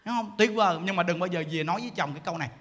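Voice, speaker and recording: High, bright-voiced monk preaching. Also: male voice, racing, a little hiss or hum. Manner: animated, joking, acts out voices of congregants. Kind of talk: lively dharma talk. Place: temple hall. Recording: hall reverb with faint ambience.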